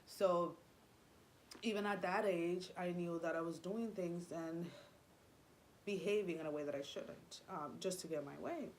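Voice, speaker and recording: Chatty low-voiced woman telling her story. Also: unhurried, slight background noise, low-quality recording. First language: Spanish. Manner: rambling, confiding, many fillers and restarts. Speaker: vlogger. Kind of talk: personal storytelling vlog.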